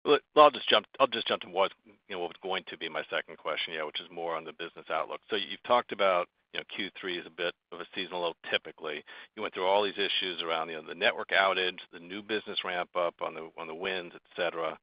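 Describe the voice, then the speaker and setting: A man's voice: deep voice, fast, no echo. A man calling in as an investor to ask questions on an earnings call, with casual, rambling phrasing and slightly muffled phone sound. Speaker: investor caller asking questions. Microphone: telephone.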